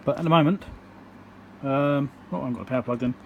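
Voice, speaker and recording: An electronics repairer with a New Zealand accent presents his work at an indoor bench, talking through it casually and matter-of-factly without a script. His medium-pitched voice is fast, gravelly and narrow. The audio sounds tinny, with slight background noise.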